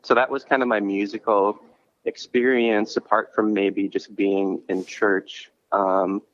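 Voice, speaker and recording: A man's voice: lowish voice, little pitch movement, measured pace, fairly bright tone. A man talking over the phone from a coffee shop, a podcast host and concert promoter telling stories in a rambling, casual way with frequent restarts. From Minnesota, US. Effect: heard over a phone line. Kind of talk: casual chat, relaxed storytelling. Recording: muffled phone line.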